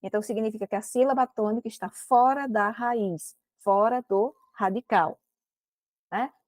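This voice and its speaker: A woman with a Brazilian Portuguese accent teaches grammar in a recorded class, walking through each point patiently. Her voice sits a little high, and the sound is close and dry with no room around it. She keeps tagging her explanations with quick checks to the listener. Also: darkish tone, no echo. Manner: explains step by step, with frequent checking "né?" and "ok?".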